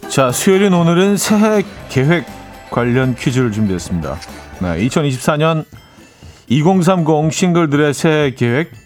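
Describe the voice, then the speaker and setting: A man's voice: a little high, big pitch swings, moderate pace. A man hosting a radio music show, chatting casually, reading listener messages aloud and laughing often. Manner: chatty, laughs often, mimics dialect playfully. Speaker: radio DJ host. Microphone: studio microphone.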